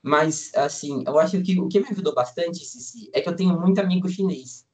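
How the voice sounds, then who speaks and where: Briskly and in a fairly high voice, a nineteen-year-old Brazilian student chats in a casual interview as a guest. He's relaxed and rambling, packing in fillers like "tipo" and "assim."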